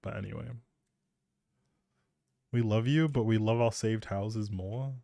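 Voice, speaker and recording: A man's voice: on the low side, steady tone, unhurried, vocal fry, mellow, dry recording, studio quality. A man chatting casually as a live streamer, playful and teasing as he thinks aloud while commenting on a game.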